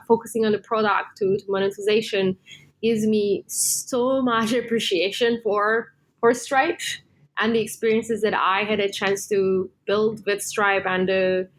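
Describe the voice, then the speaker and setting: A woman's voice: mid-range voice, steady tone, measured pace. A woman in her thirties, born and raised in Turkey, a native Turkish speaker, answering interview questions casually, hesitant with many fillers and restarts. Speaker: guest, tech executive.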